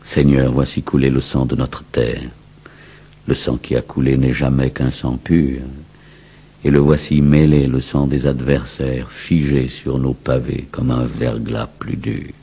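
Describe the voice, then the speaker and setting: A man recites verse in a remarkably deep, husky register. His delivery is slow and solemn, each phrase declaimed with grave dramatic weight. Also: little pitch movement, warm tone. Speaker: poetry reciter.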